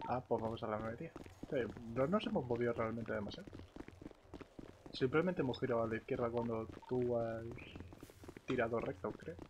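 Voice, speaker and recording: A man's voice: mid-range voice, a little fast, long pauses, highs cut off, background noise. A man chatting casually during an online game, hesitating and repeating words. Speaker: gamer playing online survival roleplay.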